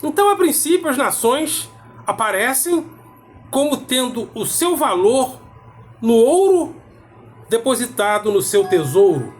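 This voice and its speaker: A man lecturing on philosophy, measured and emphatic, repeating key words for weight. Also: very high-pitched, sing-song, soft background music. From South America. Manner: measured, emphatic repetition with pauses. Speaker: philosophy teacher. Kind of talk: explanatory lecture.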